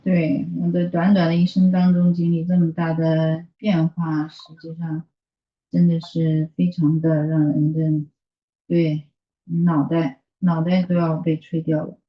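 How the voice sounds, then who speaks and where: A woman who is a native Mandarin speaker, interpreting informally and a bit haltingly as she searches for words. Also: low-pitched, little pitch movement, roomy sound, highs cut off. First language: Mandarin Chinese. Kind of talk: consecutive interpreting in informal talk.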